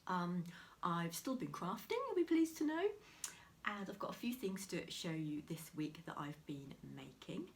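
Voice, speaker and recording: A woman's voice: lowish voice, sing-song, normal speed. A woman, chatting casually to camera about her crafts, slightly nasal from a cold and often half-whispering. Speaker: crafting vlogger. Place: home room beside a window, heavy rain outside. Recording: faint rain noise.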